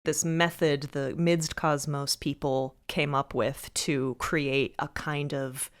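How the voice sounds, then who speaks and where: Articulate, wry podcast guest, mid-pitched voice. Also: little pitch movement, slow pace. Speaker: podcast creator, roundtable guest. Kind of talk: thoughtful casual discussion.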